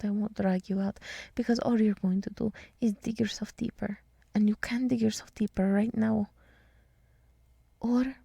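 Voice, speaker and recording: Woman acting a gentle deer woman, slow breathy whispering, soft and dark tone, earnest encouragement, close dry ASMR roleplay. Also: mid-range voice, dry recording, exaggerated voice. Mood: earnest, encouraging.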